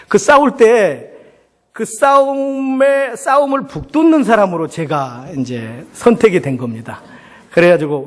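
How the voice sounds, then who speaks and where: Man preaching in a reverberant church hall. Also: fairly high pitch. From South Korea. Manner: conversational, frequent rhetorical questions. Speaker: pastor. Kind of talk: sermon with personal storytelling.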